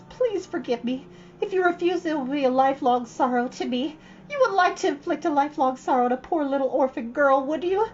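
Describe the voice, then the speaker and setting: A woman voicing an imaginative, talkative orphan girl who speaks in a high, gushing, dramatic way. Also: darkish tone, natural voice. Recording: slightly dull lo-fi recording.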